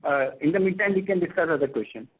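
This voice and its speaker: A man with an Indian accent answering analyst questions as a finance executive on an earnings call, reciting figures haltingly over the phone. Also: fairly high pitch, breathy edge. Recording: tinny narrowband conference phone line.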